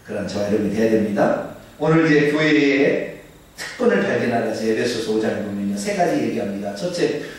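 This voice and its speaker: A man preaching a sermon as pastor, animated and often prompting the congregation to answer him. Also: mid-range voice, fairly quick. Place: church sanctuary. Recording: echoey hall, mic at a distance.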